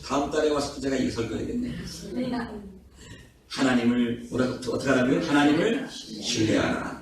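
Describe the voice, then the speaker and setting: A man preaching a revival sermon as pastor, with passionate rhetorical questions. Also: mid-range voice. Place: prayer house worship hall. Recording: echoey hall from far off, faint noise.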